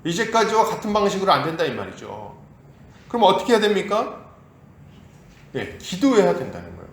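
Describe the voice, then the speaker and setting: A male pastor preaching a sermon in a lively, conversational way, acting out quotes as he goes. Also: high voice, brisk, roomy sound. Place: church sanctuary.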